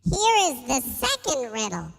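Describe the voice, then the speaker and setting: A man voicing a bold, wise little hoopoe bird from a storybook in a creaky, high voice, speaking formally in an echoey hall. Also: wildly swooping pitch, a bit bright, exaggerated voice. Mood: solemn riddling. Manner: deliberate, formal riddling. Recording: echoey hall with long reverb.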